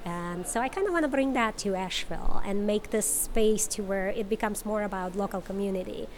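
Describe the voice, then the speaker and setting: Woman from Ukraine, bakery owner interviewed. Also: mid-range voice. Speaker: cafe owner. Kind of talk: street interview answers. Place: outdoors on a city street.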